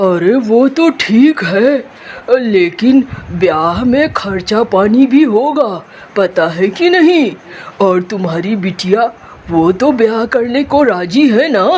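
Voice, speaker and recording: A cartoonish character voice with fairly high pitch speaks fairly slowly over clear background noise. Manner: hesitant, mild.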